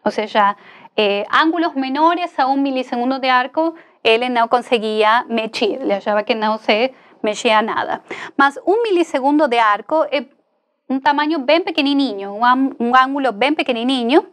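A woman in her thirties lecturing in Spanish-accented Portuguese, a native Spanish speaker mixing in Spanish words and pausing hesitantly as she explains. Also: high voice, fairly bright tone. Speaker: astronomy lecturer. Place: indoor lecture studio beside a large screen.

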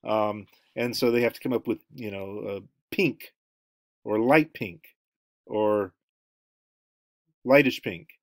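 A man's voice: on the low side, takes it slowly, long pauses, no room sound, clean studio sound. A middle-aged man giving a recorded anthropology lecture over slides from home, talking in a rambling way with many ums and uhs. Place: home room, indoors.

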